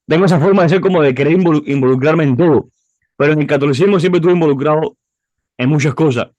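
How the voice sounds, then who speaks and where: A man's voice: fairly high pitch, fast, darkish tone, no room sound. A man in his twenties with a Cuban accent, a youth pastor telling his life story in an interview, often restarting and repeating words as he goes. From Cuba. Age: 20s. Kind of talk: personal testimony interview.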